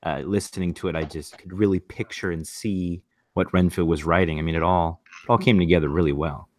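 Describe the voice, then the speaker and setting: A man speaking as a guest, soft-spoken and full of praise. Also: low-pitched, steady tone, a little fast, dry recording. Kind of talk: casual chat on a video call.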